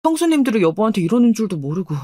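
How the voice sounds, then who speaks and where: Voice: medium pitch, sing-song, rapid-fire, darkish tone, dry recording, lightly acted. Earnest young husband voiced for a radio story, eager n deferential, dry sound. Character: grateful humble husband in his thirties. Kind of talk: dramatized radio story dialogue.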